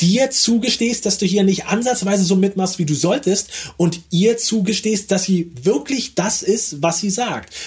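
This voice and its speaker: At a fairly slow pace, a man speaks with a high pitch and ordinary pitch variation. His loudness stays very even. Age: 40s. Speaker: author and journalist. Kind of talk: interview conversation.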